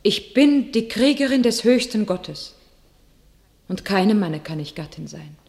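A young shepherd maiden turned holy warrior in a classical radio play. She is devout and proud, delivering elevated verse with solemn fervour at a medium pitch. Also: animated, measured pace, darkish tone. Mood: proud, resolute. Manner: solemn, declamatory. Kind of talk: classical German radio drama verse acting.

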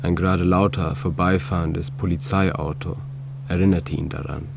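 A man reading a literary story in a calm, measured way, with many pauses. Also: low-pitched, vocal fry. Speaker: narrator. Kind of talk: scripted literary narration. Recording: steady hum and drone under the voice.

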